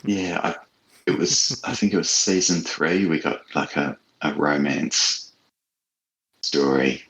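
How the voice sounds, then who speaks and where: A man's voice: extremely low pitch, takes it slowly, a bit bright, low-quality recording. A man chatting casually and reflectively as an interview guest, an author with a hesitant, thoughtful, modest manner.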